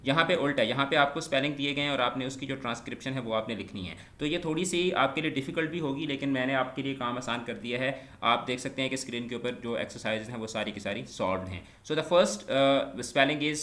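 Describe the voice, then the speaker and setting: Bright-voiced male English tutor. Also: mid-range voice. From Pakistan. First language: Punjabi. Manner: sounds words out slowly, repeating each one many times. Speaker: English teacher. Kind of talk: online exam-prep lecture.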